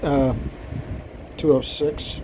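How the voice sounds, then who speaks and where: On a low-quality recording with slight background noise, an older man speaks extremely slowly in a dark, level, mid-range voice. A cylinder head porter, he rambles through casual shop talk to camera, self-deprecating and heavy on fillers.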